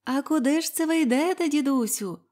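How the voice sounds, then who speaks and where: A woman's voice: high voice, animated, fairly quick, a little mellow, voice pushed up. A woman voicing a group of playful young forest nymph girls in a storybook reading, calling out merrily together. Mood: merry.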